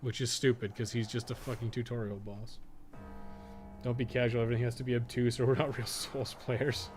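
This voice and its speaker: A man's voice: mid-range voice, level tone, fairly quick, over music. A man giving casual, rambling, sweary gameplay commentary as a streamer. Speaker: game streamer and podcast co-host.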